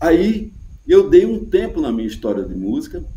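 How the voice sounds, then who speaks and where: A man is talking here. His pace is fairly slow. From Alagoas, Brazil (Murici). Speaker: composer and music producer. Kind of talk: interview. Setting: TV studio. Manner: halting, many repetitions.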